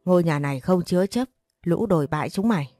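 A woman reading a story voices a frail, fierce and protective elderly grandmother in a low, mellow tone, with pleading, reproachful outbursts. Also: lively intonation, fast talker, no room sound, clean studio sound, faint music behind, close to an everyday voice. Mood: furious.

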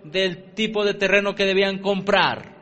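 Male sermon interpreter, high voice, quick and halting, lots of fillers. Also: fairly even intonation, pushed and bright, dull audio.

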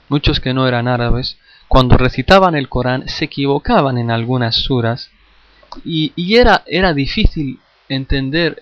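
A man's voice: on the high side, no room sound, muffled recording. A man teaching a lesson on Islamic history, addressing his listeners directly, often hesitating, repeating phrases and restarting words. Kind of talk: classroom lecture.

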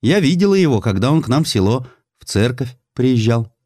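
A man's voice: medium pitch, very animated, a little fast, a little mellow, no echo, studio quality, pitched above the performer's own voice. A man voicing a distraught village woman giving testimony in plain peasant speech, in an audio drama. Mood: agitated.

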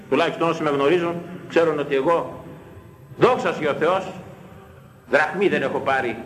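A man preaching a fiery sermon as parish priest, his voice fairly high and swinging widely in pitch as he repeats phrases with rising force. He is recorded in a church whose long, echoey reverb hangs over every word. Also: a bit bright.

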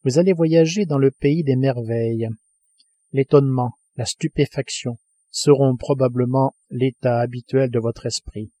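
A man reading the lines of a stern, cold male submarine commander in a grave, measured audiobook voice. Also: medium pitch, fairly even intonation, mellow, dry recording, clean studio sound, lightly acted.

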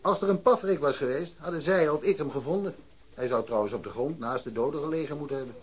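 An actor playing a blunt, dismissive police detective in a radio drama, offhand and colloquial. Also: male voice, on the high side, fast, close to an everyday voice. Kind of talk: Dutch radio drama acting.

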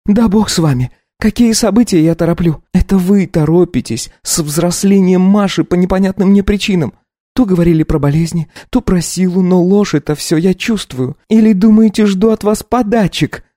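A man voicing a defiant young countess and mother, speaking in a shrill, pleading way. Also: moderate pace, dark tone, no room sound, clean studio sound, lightly acted. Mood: bitter defiant.

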